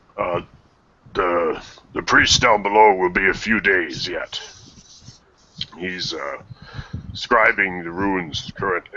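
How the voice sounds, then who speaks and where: A man speaks in a raspy, put-on character voice with a fairly low pitch, at a fairly slow pace broken by long, frequent pauses. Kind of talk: mock-archaic fantasy speech. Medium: actual play. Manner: hesitant, halting with filler sounds.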